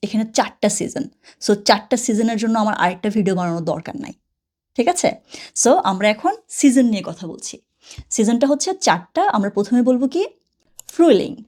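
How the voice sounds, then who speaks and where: A woman's voice: a little high, warm tone. A Bengali-speaking woman teaching German, talking casually and often checking with the learner. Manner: keeps asking "okay?" and has the learner repeat after her. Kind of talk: casual spoken lesson.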